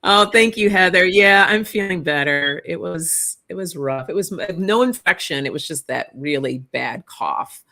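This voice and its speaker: A woman with a lowish, slightly raspy voice chats easily on a live stream from home. She laughs often and greets her viewers by name, talking over a computer mic. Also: animated, normal speed, few pauses, bright, forceful tone. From Canada. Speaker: tarot channel co-host. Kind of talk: casual live-stream chat. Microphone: computer mic on a live call.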